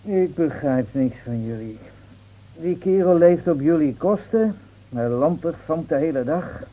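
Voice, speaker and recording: An actor playing a hot-tempered, sarcastic village gendarme who complains in a radio play. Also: male voice, a little high, animated, unhurried. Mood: indignant. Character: grumbling, hot-tempered village gendarme, sour about his transfer. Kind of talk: Dutch radio play acting. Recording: dull, muffled old radio recording.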